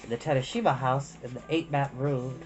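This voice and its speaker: A woman reading a children's novel aloud as an expressive storyteller. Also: rumbling low, fairly quick, faint music behind, rough recording. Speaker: storytime reader. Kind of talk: expressive scripted storybook narration.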